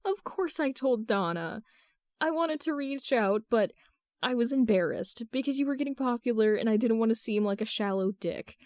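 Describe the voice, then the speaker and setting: Sheepish young man played by a woman, soft and unsure, cringing, audio fiction, very dry recording. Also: a little high, expressive, normal speed, no echo, lightly acted.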